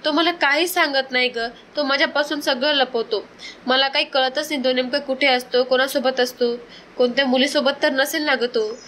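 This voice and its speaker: A woman's voice: high-pitched, steady tone, moderate pace, a bit bright, slight background noise. Woman voicing a scheming, theatrical young wife. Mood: whining. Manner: theatrical, pleading.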